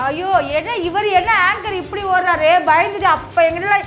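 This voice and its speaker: A woman's voice: very high voice, moderate pace, a bit bright, faint music behind. A woman in her thirties, an interview guest, pleading insistently in a staged comic confrontation outdoors on a road. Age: 30s. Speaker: interview guest, social media personality.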